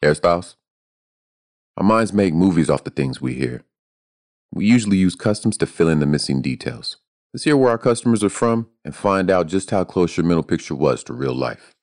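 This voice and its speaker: A man hosting a podcast, narrating thoughtfully and asking short questions in a measured, musing way. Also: low-pitched, expressive, darkish tone. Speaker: podcast host. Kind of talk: reflective podcast narration and interviewing. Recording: music playing behind the voice.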